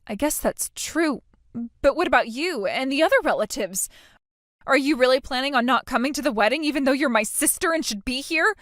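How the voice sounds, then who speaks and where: A woman's voice: high-pitched, expressive, brisk, fairly bright tone, dry recording, studio quality. An actress playing a self-absorbed bride who whines, stammers and makes demands of her sister. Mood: whiny, demanding. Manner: whiny, self-pitying, stammering. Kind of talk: scripted drama acting.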